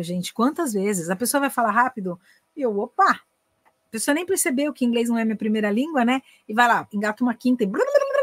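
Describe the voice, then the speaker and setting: Lively Brazilian woman teaching English. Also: mid-range voice, no echo. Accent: Brazilian Portuguese. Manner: lively, acts out dialogues, switches between Portuguese and English. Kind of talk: casual online masterclass.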